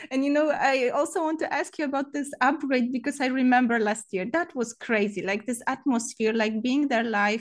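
In a Polish accent, a woman speaks at a high pitch with ordinary pitch variation and a moderate pace. She leaves hardly any pauses, against a quiet background. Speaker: online business coach. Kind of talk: interview.

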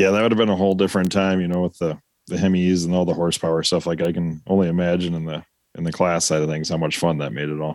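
Fairly even intonation at a very fast pace. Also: man, very deep, low pitch for a man. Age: 40s. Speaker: podcast co-host and drag racer. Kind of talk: interview.

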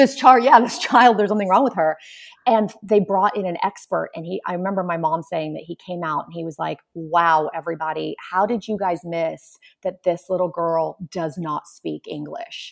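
Using a normal speaking voice, a woman talks at a moderate pace in a fairly low pitch, with ordinary pitch variation and big swings in loudness. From Bartlesville, Oklahoma (born in Poland). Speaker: TV host and explorer. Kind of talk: interview conversation.

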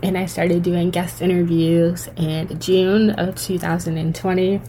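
Over noticeable background noise, a woman speaks at a fairly low pitch in a monotone, flat way. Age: 20s. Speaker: podcast host and college student. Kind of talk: solo podcast monologue. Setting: home.

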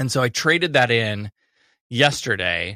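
Over a silent background in a very clean recording, a man with an American accent speaks at a fairly slow pace, his bright, sharp tone carrying lively intonation. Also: dry, close sound with no echo. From US Midwest, rural Illinois. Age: 40s. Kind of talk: casual interview.

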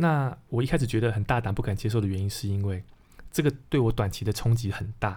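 At a fairly quick pace, a man with a dark, mellow, somewhat breathy tone speaks at medium pitch with ordinary pitch variation. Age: 40s. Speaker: podcast host, insurance agent. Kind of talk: casual monologue.

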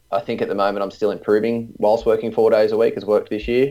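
On a very clean recording with a silent background, a man talks very fast with an Australian accent. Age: 20s. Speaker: professional triathlete. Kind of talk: interview.

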